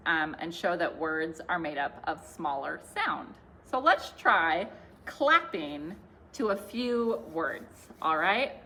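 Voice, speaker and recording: A woman's voice: on the low side, sharp tone, a little hiss or hum. A young woman, a children's librarian, leading a class video with book picks, clapping games and finger-play songs in a cheerful sing-song way.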